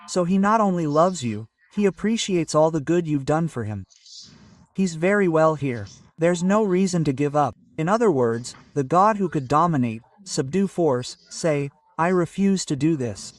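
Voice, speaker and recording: Man, pastor, measured sermon delivery, slightly high voice, dry and a bit off-mic. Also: no room sound, recorded from a distance. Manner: measured preaching with scripture citations.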